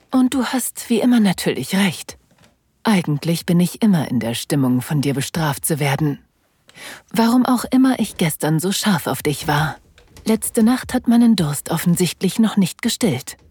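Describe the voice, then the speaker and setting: A woman playing a breathy, teasing lover. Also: lowish voice, a little mellow, no echo, exaggerated voice. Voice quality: breathy, often whispered. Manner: teasing, slow and sensual. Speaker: first-person narrator and lover. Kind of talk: erotic audio drama.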